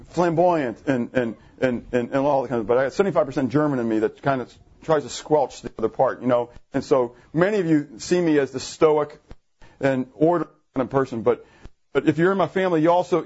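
A man preaching a sermon to his congregation, animated, asking the room questions, with jumps in pitch when he gets excited. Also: lo-fi sound. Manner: jumpy pitch, bursts high when excited. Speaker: pastor. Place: church assembly room.

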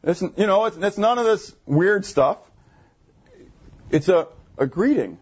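A man preaching a sermon to his congregation, animated, asking the room questions, with jumps in pitch when he gets excited. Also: unhurried, slightly rough, highs cut off. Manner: jumpy pitch, bursts high when excited. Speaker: pastor. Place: church assembly room.

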